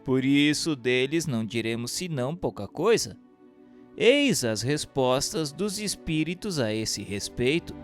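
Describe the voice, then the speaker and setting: A man's voice: mid-range voice, expressive, measured pace. A man reading scripted narration and questions for a radio drama in a formal, declamatory manner. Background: music behind the voice.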